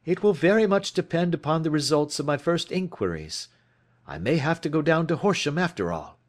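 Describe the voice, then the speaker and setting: Sharp brisk Holmes type detective, a male reader putting him on, raised and ringing, very lively lilt. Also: a little high, pitched above the performer's own voice. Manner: crisp, emphatic, declamatory. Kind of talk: audiobook character reading.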